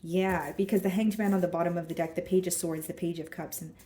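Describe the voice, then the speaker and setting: A woman with a hoarse, scratchy throat reads tarot cards for her viewers, thinking aloud as each card turns up. Her voice sits fairly low and sounds mellow and soft-edged. The sound is roomy, with noticeable echo around her. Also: fairly even intonation, quick pace. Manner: thinks aloud while drawing cards, speaking straight to viewers. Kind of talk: casual tarot reading to camera.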